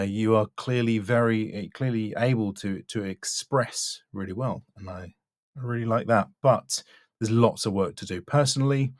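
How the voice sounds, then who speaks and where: In a spoken critique, a man who coaches and reviews voice-over demos gives bluntly honest but encouraging feedback, stressing points emphatically and pausing deliberately. His voice is fairly low. The recording is dry, with almost no room sound.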